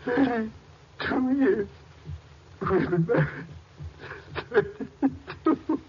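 Wounded older US farmer, very raspy, high-pitched, grieving, halting vintage radio delivery. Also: male voice, lively intonation, full character voice. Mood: grief-stricken. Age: older, fifties or sixties. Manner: halting, drawn-out phrases. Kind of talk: 1950s radio drama acting. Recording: dull lo-fi old radio recording.

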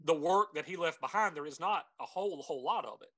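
A man's voice: fairly high pitch, fast, fairly bright tone. A man with a Southern American drawl chatting casually and jokingly as a podcast co-host.

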